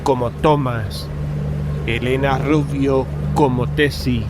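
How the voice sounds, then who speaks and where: Slow male announcer over music. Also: medium pitch, fairly even intonation. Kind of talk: scripted credits for horror radio theatre.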